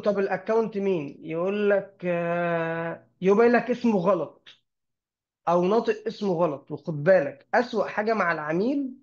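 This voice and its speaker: An Egyptian man speaks as a guest in an online meeting with a high, quick voice. He lays out numbered advice and throws in rhetorical questions. The video call audio is dull and lo-fi. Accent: Egyptian Arabic. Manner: animated, lists numbered tips and asks rhetorical questions. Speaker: sales consultant guest.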